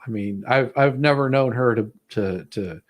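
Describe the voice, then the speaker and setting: A man's voice: medium pitch, moderate pace, dull audio. A man hosting a casual live stream, stumbling and repeating words as he chats with guests. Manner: stammering, repeats words, jokey. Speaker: livestream host.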